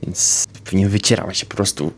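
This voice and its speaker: A man playing a tabletop game, describing his character's actions in the first person, haltingly. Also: low-pitched, fairly even intonation. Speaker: player.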